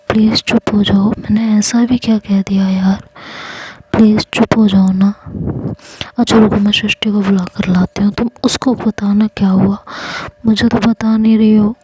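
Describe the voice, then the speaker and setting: A woman's voice: medium pitch, mellow, husky, poor audio. A woman voicing Yishu, a blunt, teasing young woman. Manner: scolding and teasing, then pleading.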